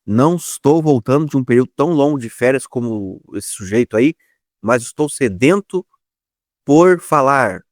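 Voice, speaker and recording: A man's voice: medium pitch, animated, moderate pace, no echo, studio quality. A Brazilian man co-hosting a podcast, chatting and giving his opinions as a sports commentator.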